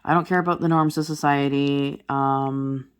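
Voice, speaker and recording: A woman in her forties with a low-pitched voice chats casually to her audience as a crafting vlogger. She rambles from one thing to the next, full of fillers and self-corrections. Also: steady tone, moderate pace, clean tone. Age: 40s. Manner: rambling, many fillers and restarts. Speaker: diamond painting vlogger. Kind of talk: casual chat to viewers while crafting.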